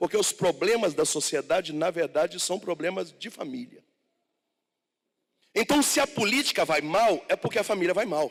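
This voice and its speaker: The voice is animated, with lively intonation at a moderate pace. The sound is dry and close, with no echo. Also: man. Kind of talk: sermon.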